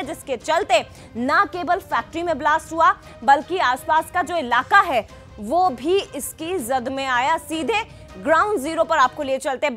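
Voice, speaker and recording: A young woman news anchor with a high, bright, ringing voice, reading breaking news with urgent, dramatic weight. She speaks from a studio mic, and soft music sits quietly underneath her.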